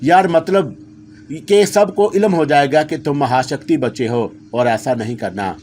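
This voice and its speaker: A man's voice: fairly high pitch, measured pace, a little mellow, a little hiss or hum, natural voice. A sly, mischievous male jinn sidekick from a spoken horror story, teasing and coaxing with a slightly raised, playful voice, as a male narrator puts him on. He sounds like he is always needling, never serious.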